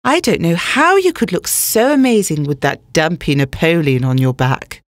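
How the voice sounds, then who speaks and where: A woman's voice: mid-range voice, no room sound, studio quality, lightly acted. A woman voicing a vain, lovestruck young male racehorse, gushing earnestly through a comic love letter. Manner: earnest, gushing, reading punctuation aloud.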